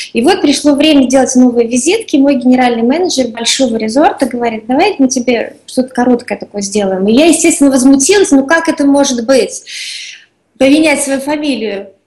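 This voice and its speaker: Over a quiet background, a woman talks at a fairly quick pace in a high pitch with lively intonation. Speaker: remote interview guest. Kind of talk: interview answer. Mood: warm storytelling. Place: home room. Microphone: video call.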